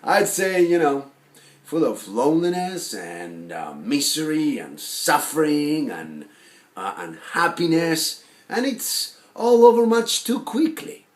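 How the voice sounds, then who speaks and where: A man performing a monologue as a neurotic, self-deprecating, lovelorn forty-year-old who rambles haltingly. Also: mid-range voice, very animated. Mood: manic, nervy. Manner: halting, rambling, full of fillers and restarts. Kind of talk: dramatic film monologue acting. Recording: roomy echo with faint background noise.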